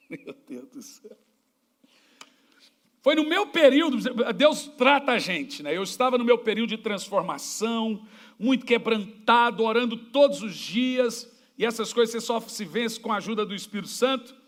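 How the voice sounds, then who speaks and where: A middle-aged Brazilian man preaching as a pastor, telling stories with jokes and sudden shouts. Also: very high voice, moderate pace. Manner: jokey, animated, shouting at times. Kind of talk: preaching sermon with storytelling.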